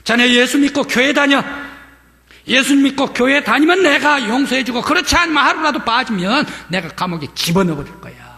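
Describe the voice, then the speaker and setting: Preacher playing a scolding township chief, loud and high, echoing hall. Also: male voice, expressive, fairly quick, heavily acted. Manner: scolding, commanding. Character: angry older male township chief, gruff.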